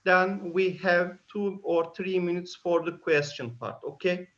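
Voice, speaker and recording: A man with a Turkish accent chairing an academic conference session online in formal, halting English. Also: high voice, fairly even intonation, fairly bright tone. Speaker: academic, head of transportation engineering division. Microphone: online video call. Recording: dull lo-fi online call audio.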